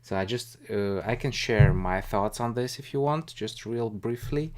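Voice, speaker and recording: A man's voice: medium pitch, unhurried, darkish tone. A man hosting a live stream, talking casually and a bit hesitantly in a rambling, informal way about investing.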